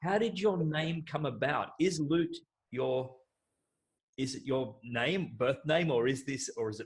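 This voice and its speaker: A man speaks at a fairly slow pace in a fairly high, somewhat breathy voice. His intonation is lively. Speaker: podcast host, meditation creator. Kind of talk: interview.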